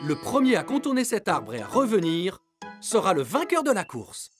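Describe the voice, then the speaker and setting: A reassuring father in a children's cartoon. His intonation swings widely as he encourages and coaches patiently, over clearly heard music. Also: high voice, huge pitch swings, normal speed, fairly bright tone, exaggerated voice. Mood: encouraging. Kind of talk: French-language children's cartoon dubbing.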